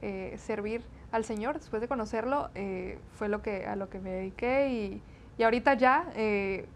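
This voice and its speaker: A woman's voice: medium pitch, moderate pace. Chatty young woman with faint hiss. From Texas–Mexico border. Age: 20s. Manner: chatty, many fillers and repeated "sí, sí, sí". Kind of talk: interview conversation.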